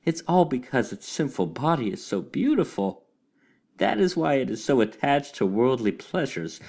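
A man's voice: mid-range voice, darkish tone, pitched above the performer's own voice. A man voicing a sanctimonious, hypocritical white female cat in a storybook reading, talking in a sweetly preachy, cooing way. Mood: pitying.

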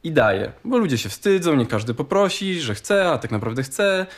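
A man from Poland, around forty, recalling family memories in a halting, thinking-aloud way. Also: on the high side, very animated. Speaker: interviewee, relative of former scouts. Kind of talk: personal reminiscence.

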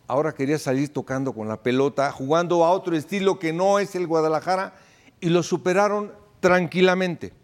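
Emphatic male football pundit. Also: on the high side. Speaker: sports pundit. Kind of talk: sports talk panel debate.

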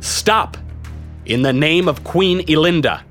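A man's voice: medium pitch, sing-song, normal speed, soft background music, voice pushed up, lightly acted. A man playing a flustered, self-doubting knight who blusters like a hero in a fantasy audiobook. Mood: bluffing, bold. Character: flustered, reluctant male knight, bluffing as a hero.

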